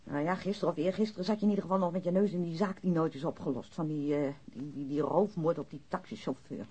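A husky, nagging wife. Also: female voice, deep voice, fast talker, warm tone. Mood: exasperated. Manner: scolding, fussing. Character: nagging, worried, middle-aged policeman's wife. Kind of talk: naturalistic radio drama dialogue.

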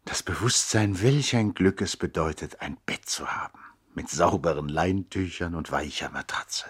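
A man acting as a reflective narrator who recalls his boyhood in a measured, literary 1960s radio play style. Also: low-pitched, fairly bright tone, slightly rough, no echo, clean studio sound. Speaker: narrator and actor.

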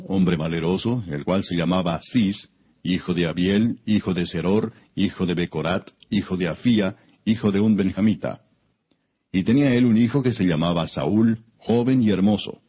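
A man reading the Bible as solemn scripted narration, in a measured, declamatory manner. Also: low-pitched, husky, muffled recording.

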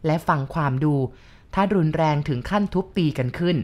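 A woman narrating a first-person ghost story in a steady, even reading voice. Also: low-pitched, fairly quick.

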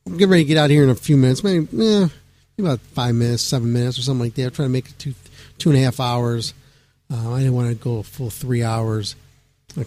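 Rambling, excitable male radio host. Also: on the high side, dry recording. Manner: rambling, excitable, swears casually. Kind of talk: casual late-night radio chat.

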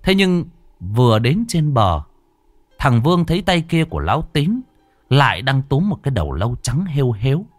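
A man telling a folk story with a lively, swinging pitch and an earthy, colourful delivery. The voice sits right by the mic in a dry space with no room sound. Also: moderate pace, dry recording, faint music behind. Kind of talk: spoken folk story narration.

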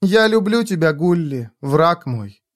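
Guy putting on a blind vengeful woman, higher voice, fierce and passionate, audiobook. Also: sing-song, slow pace. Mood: tender. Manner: intense, passionate, defiant. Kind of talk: dramatic audiobook reading.

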